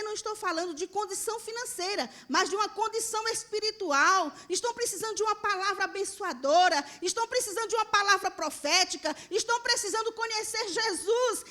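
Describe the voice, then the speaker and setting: A woman's voice: extremely high pitch, sharp tone. A Brazilian woman pastor preaching a sermon in church, earnestly addressing the congregation as brothers and sisters. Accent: Brazilian Portuguese.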